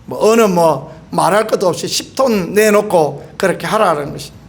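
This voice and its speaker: A middle-aged male pastor preaches in a high, light voice at an evening prayer meeting. His manner is earnest and pleading. He acts out voices from the story he tells and sometimes cries out with force. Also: fairly quick, creaky. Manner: earnest preaching, acting out quoted voices and crying out at times. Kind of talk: sermon.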